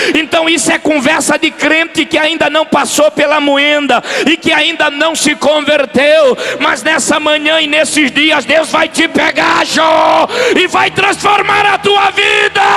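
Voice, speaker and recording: A man shouts at an extremely high pitch and a fairly slow pace, with fairly even intonation and very even loudness. Crowd noise fills the background. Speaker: pastor. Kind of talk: sermon. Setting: church conference with PA system.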